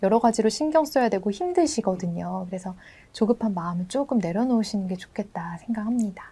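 Heard on a very clean recording with a silent background, a woman talks at a fairly quick pace, her fairly high voice somewhat breathy and dark and mellow in tone, with lively intonation. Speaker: author and investor. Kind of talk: interview.

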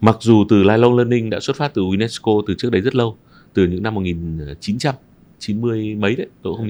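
A man with a fairly low pitch and ordinary pitch variation speaks at a fairly slow pace in a plain, everyday voice. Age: 50s. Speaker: business leader and university executive.

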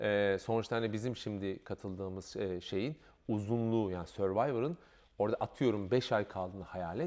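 This man has a plain, everyday voice, pitched fairly low, with ordinary pitch variation. He speaks at a moderate pace against a quiet background. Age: 40s. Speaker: ultramarathon runner and coach. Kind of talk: casual chat.

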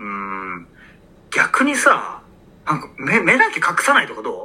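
A man talks at a moderate pace while noticeable background noise runs behind him. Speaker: podcast co-host. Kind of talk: casual chat.

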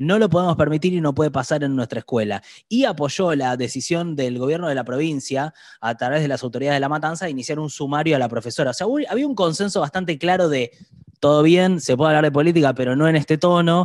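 Over a very clean, silent background, a man with a fairly high pitch speaks at a very fast pace. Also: ordinary pitch variation. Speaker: podcast co-host. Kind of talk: casual chat.

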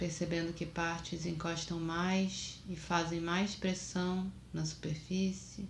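A woman talks very slowly in a calm, somewhat breathy voice with hardly any pauses. Her intonation stays monotone and flat. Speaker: meditation guide. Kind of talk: guided meditation. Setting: video call, live Zoom broadcast. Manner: slow, calm, soft-spoken, with long pauses.

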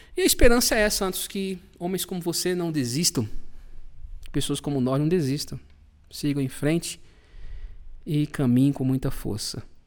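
Against a silent background on a very clean recording, a man with a fairly high pitch and lively intonation talks at a moderate pace, leaving long, frequent pauses. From Brazil, interior of Ceará (Northeast). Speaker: podcaster and former pastor. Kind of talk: casual interview.

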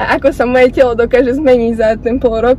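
Fairly quick speech with fairly even intonation plays over noticeable background noise. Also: woman. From central Slovakia, Revúca. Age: 20s. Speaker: fitness athlete and student. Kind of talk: interview.

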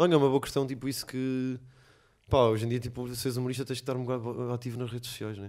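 A man rattles off words very fast in a medium pitch, his intonation flat and monotone. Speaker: comedian. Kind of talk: casual chat.

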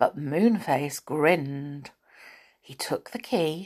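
Her pitch is very deep and low, with lively intonation. The woman talks at a very slow pace, and the sound is dry and close with no echo. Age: 30s. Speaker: children's story reader. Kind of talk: casual chat; reading aloud. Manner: animated.

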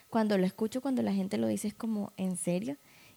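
With a medium pitch and a dark, mellow tone, a woman is heard in a very clean recording with a silent background. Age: 20s. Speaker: pastor. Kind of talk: casual chat.

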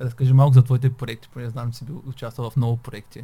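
A very fast man's voice, dark and mellow in tone, somewhat breathy, at medium pitch. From Bulgarian provinces. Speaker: podcast host. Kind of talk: casual interview. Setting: improvised studio.

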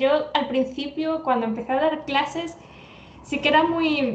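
A woman's fairly slow speech comes through noticeable background noise. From Salamanca, Spain. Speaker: Spanish teacher. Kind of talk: casual interview.

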